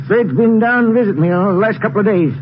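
Man acting an anxious old rancher, very high voice, stammering, folksy, 1950s western radio, dull noisy sound. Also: quick pace, close to an everyday voice. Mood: anxious, stalling. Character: nervous older rancher, folksy old character held hostage.

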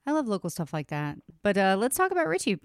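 A woman hosting a casual music podcast, talking in quick, chatty bursts and laughing often, a little sniffly from allergies. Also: medium pitch, sing-song, clear, resonant tone, dry recording, studio quality. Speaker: podcast host. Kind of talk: casual chat.

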